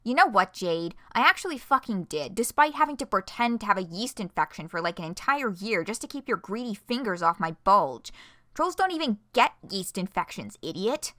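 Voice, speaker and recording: A woman's voice: medium pitch, big pitch swings, moderate pace, dry recording, clean studio sound. A woman voicing an angry, foul-mouthed young male troll who hurls insults. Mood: furious. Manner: shouting insults.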